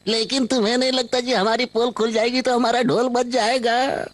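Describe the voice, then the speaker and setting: A man's voice: extremely high pitch, little pitch movement, moderate pace. A man voicing a swindler's nervous sidekick who believes rumours, anxious and warning, in a Hindi cartoon dub. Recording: faint music behind the voice.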